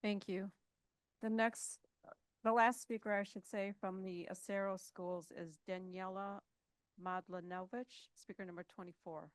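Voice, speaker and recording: Lady moderator calling up speakers, very clear voice, dry sound. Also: medium pitch, level tone, unhurried, dry recording. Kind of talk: procedural announcements.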